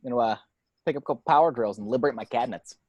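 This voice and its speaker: A woman's voice: extremely low pitch, very fast, a little mellow, highs cut off. A woman playing a wisecracking, griping white-collar office man in an amateur table read. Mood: wry banter. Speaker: table read host and actor. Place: at home, remote table read.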